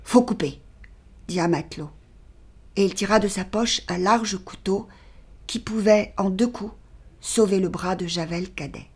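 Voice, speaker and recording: Her voice is lowish and a bit rough as she performs a short story dramatically. She reads in a measured way, and in the darker passages her delivery fades to a near-whisper.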